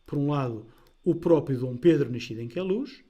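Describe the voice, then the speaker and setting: A man giving a measured, deliberate history lecture. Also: mid-range voice, lively intonation, mellow, lo-fi sound. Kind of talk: scripted history talk.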